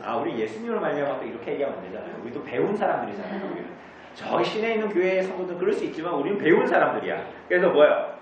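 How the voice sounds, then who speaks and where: A man teaches a church group, his high voice rising and falling a lot. He keeps asking the congregation questions and answering them himself. He is recorded from far off in a very echoey room, and the sound is dull. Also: big pitch swings, racing. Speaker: pastor.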